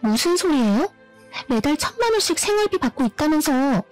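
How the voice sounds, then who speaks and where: A woman voicing a young mistress caught cheating, shouting in a shrill, indignant voice. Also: sing-song, a little fast, soft background music. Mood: outraged.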